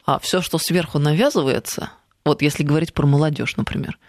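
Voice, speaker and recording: A woman's voice: low-pitched, fairly quick, a little mellow. A woman hosting a political talk show, speaking in an emphatic, indignant way.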